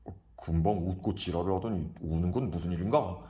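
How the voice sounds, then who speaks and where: A man's voice: low-pitched, fairly quick, dark tone, close to an everyday voice. A man voicing a puzzled, cautious middle-aged drinking buddy who speaks in a mild, reasoning tone. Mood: worried.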